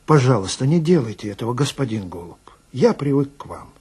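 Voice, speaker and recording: A man's voice: mid-range voice, very animated, a little fast, darkish tone, husky. A man playing a polite, plaintive swindler in his fifties, obsequious and self-righteous, in a dramatic monologue. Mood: polite pleading. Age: 50s. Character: polite, plaintive 52-year-old male marriage swindler with dignified airs. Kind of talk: dramatic monologue, character dialogue.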